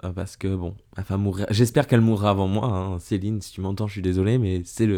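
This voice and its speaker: In a very clean recording with a silent background, a man speaks at a fairly quick pace. His voice has a dark, mellow tone and a fairly low pitch. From France, Normandy. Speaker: podcast host. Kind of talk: casual monologue.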